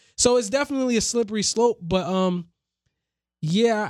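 A speaker with an American accent is heard on a very clean recording with a silent background. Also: man. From Camden, New Jersey. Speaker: chef, event organizer and podcast co-host. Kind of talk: casual chat.

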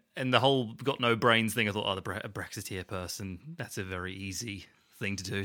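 Very fast speech comes from a man with a bright, sharp tone. The recording is very clean, with a silent background. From Australia. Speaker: podcast co-host and actor. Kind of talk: casual chat.

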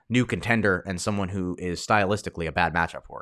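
A man speaks at a very fast pace. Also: very clean recording, silent background. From Brazil (Salvador, Bahia). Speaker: MMA podcast host and gym team member. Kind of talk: solo podcast monologue, fight breakdown. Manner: casual, filler-heavy.

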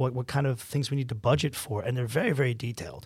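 Somewhat breathy, a man speaks at a very fast pace with medium pitch and ordinary pitch variation. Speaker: insurance agent. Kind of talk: casual interview.

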